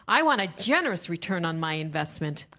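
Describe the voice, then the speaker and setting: A woman playing an imperious, impatient female studio boss in a staged comedy reading, with a sharp, commanding manner. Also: lowish voice, big pitch swings, brisk. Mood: curt, demanding.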